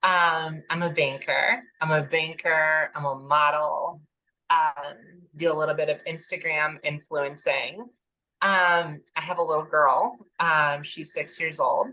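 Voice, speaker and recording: Slow, low-voiced, bright woman. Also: steady tone, lo-fi sound. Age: 30s. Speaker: podcast co-host. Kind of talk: casual podcast chat. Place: own home, remote call.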